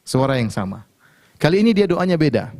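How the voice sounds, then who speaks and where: A man preaching in a storytelling way, animated as he tells the tale and voices the people in it. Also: on the high side, brisk. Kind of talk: storytelling religious talk.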